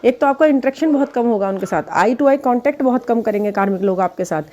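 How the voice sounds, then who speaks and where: A woman's voice: on the high side, brisk, warm tone. A woman who does readings, giving chatty relationship advice straight to her viewers, laughing now and then at her own examples. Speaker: spiritual relationship reader. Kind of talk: casual advice talk to viewers.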